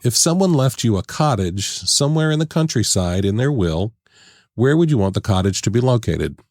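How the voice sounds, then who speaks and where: A man hosting a podcast, playful and chatty, laughing often as he runs a quick question round. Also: on the low side, big pitch swings, darkish tone, faint music behind. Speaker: podcast host. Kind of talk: casual interview chat. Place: podcast studio.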